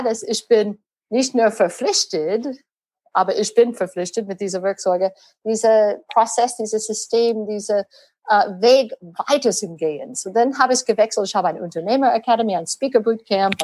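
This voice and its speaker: A woman's voice: medium pitch, normal speed, no echo, poor audio. A woman in her late forties with an American accent in German, a native English speaker talking conversationally as an interview guest, with learner's grammar and switches into English phrases. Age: late 40s. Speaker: guest, sales and positioning coach.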